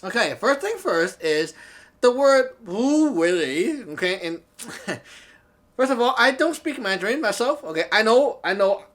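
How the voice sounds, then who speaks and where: A Taoist teacher and show host from Hong Kong speaks to camera in a high voice with big pitch swings, a measured pace and a fairly bright tone. Chatty and quick to laugh, this native Cantonese speaker keeps asking "okay?" through his casual talk show monologue.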